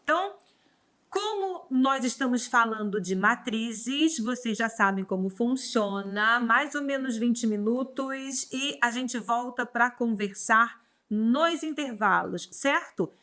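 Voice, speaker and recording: Bright-voiced Brazilian woman teaching law. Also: on the high side, takes it slowly. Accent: Brazilian Portuguese. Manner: warm greetings to chat, then steady explaining. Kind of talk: live online class.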